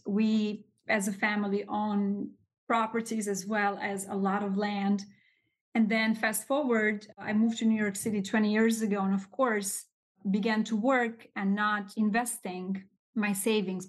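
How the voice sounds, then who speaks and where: A woman in her forties from Albania, speaking English as a podcast guest and telling her story in an expressive, animated way. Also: medium pitch, a little slow. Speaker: guest, real estate capital raiser. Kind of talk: casual interview storytelling.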